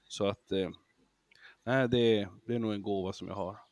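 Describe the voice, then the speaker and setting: A man who gives lectures, talking as a podcast guest in a casual, lively way, acting out examples and laughing easily. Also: on the low side, no room sound. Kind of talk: casual interview talk.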